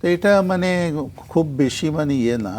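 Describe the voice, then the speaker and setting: A man's voice: a little high, lively intonation, moderate pace, darkish tone. An older man, a guest on a morning talk show, chatting in a rambling way with many fillers and reading his short poems aloud. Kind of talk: relaxed interview talk with poetry recitation. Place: TV studio.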